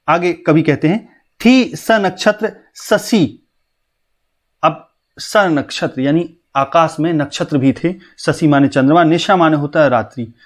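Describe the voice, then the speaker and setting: A young man teaching, who recites lines of verse slowly and then explains them in plain everyday speech. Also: on the high side. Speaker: Hindi teacher. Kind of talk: poetry explanation lesson.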